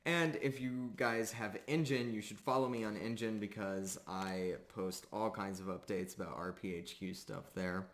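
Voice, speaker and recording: A man narrating a live tabletop game as game master, casual and pausing often as he goes. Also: fairly low pitch, fairly even intonation, fairly bright tone, slight background noise.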